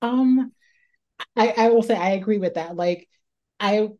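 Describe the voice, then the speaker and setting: A woman's voice: medium pitch, a little slow, dark tone, dull audio. A woman from Northeast Ohio, an author talking through her writing life in a reflective interview, often repeating words as she thinks aloud. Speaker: author guest.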